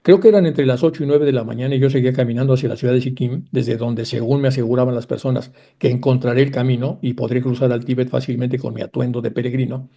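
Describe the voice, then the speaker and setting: A man giving a lecture, reading long passages aloud with frequent restarts and pauses. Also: medium pitch, steady tone, creaky, mellow. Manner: reads aloud a long first-person account with frequent restarts.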